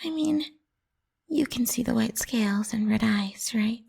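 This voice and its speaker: A woman's voice: a little high, a little slow, full character voice. Woman playing a whispery, possessive lamia girl. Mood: sheepish. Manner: coaxing, teasing, soft and breathy. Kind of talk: whispered ASMR roleplay.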